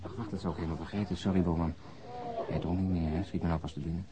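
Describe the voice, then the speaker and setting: A man's voice: sits low, steady tone, very fast, a crowd in the background, close to an everyday voice. An actor in a radio drama playing an overweight, jovial, world-weary policeman who talks bluntly and chattily with mild swearing. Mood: jovial, expansive. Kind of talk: naturalistic Dutch radio drama acting.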